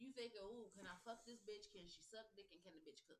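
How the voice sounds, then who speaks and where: At a moderate pace, a woman talks in an animated, bright, sharp tone with lively intonation. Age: 30s. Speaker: podcast co-host. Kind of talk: casual chat. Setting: livestream.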